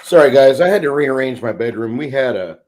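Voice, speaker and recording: A man in his forties co-hosts a casual livestream, speaking bluntly and swearing freely. His medium-pitched voice is a little mellow, with lively intonation and a slightly fast pace.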